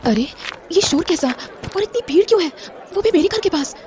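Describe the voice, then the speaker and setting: Anxious mother, high emotional voice. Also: animated, normal speed, background noise. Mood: alarmed. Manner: alarmed, emotional, switches into English phrases. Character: anxious, stern, protective mother of two boys. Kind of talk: Hindi horror audio drama acting. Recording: dramatic music behind.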